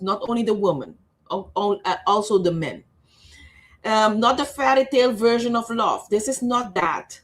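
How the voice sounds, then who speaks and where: A woman co-hosting a talk show, speaking conversationally as a coach with deliberate, emphatic phrasing. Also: medium pitch. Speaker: co-host, life and relationship coach.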